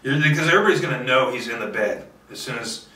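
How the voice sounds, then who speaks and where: Animated and quick, with a medium pitch and sharp tone, a filmmaker thinks out loud during a solo table read. His rambling, casual monologue is playfully boastful, self-addressed, and sprinkled with swearing. An echoey room and far-off mic shape the audio.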